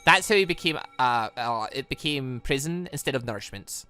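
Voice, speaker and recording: A man voicing a calm, teasing, all-knowing warrior mother from a visual novel, telling lore in a patient, measured way. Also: medium pitch, smooth. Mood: solemn storytelling.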